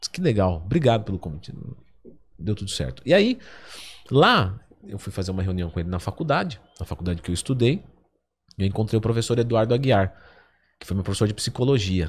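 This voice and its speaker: A man with a fairly low, somewhat breathy voice talks at a very fast pace with lively intonation. Long, frequent pauses and big swings in loudness mark his speech. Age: 30s. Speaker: fitness coach and physical educator; podcast guest, physical educator. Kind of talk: casual chat. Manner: halting, many repeated words. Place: studio. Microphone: studio mic.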